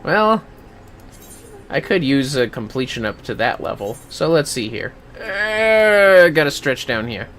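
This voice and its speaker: A man's voice: on the high side, big pitch swings, unhurried, fairly bright tone, a little hiss or hum. A man giving casual, offhand game livestream commentary, muttering asides to himself as he plays. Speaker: game streamer.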